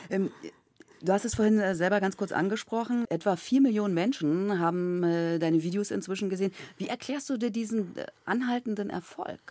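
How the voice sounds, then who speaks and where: A woman interviewer asking questions in a measured way with small hesitations. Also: mid-range voice, warm tone, no room sound.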